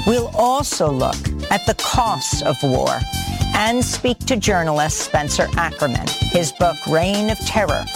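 A woman anchoring a news broadcast, reading scripted headlines in a steady, even-toned way. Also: fairly low pitch. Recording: dry studio voice.

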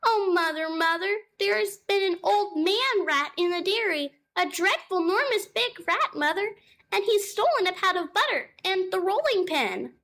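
Frightened little kittens squeak in very high, breathless voices, as a woman reading a storybook puts them on. They gasp out their words in a panicky rush, the pitch leaping up sharply. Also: expressive, moderate pace, fairly bright tone, exaggerated voice.

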